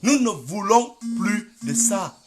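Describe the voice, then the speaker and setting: A man's voice: high-pitched, animated, takes it slowly, over music. A middle-aged man with a Cameroonian French accent giving impassioned political commentary, repeating himself and exhorting his listeners. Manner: emphatic, repetitive, exhorting listeners.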